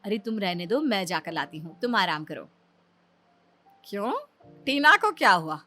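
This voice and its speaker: A woman's voice: mid-range voice, very animated, normal speed, pushed and bright, soft background music, pitched below the performer's own voice. A woman voicing a stern, scheming older mother-in-law in a Hindi cartoon, talking in a bossy, testing way. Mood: commanding.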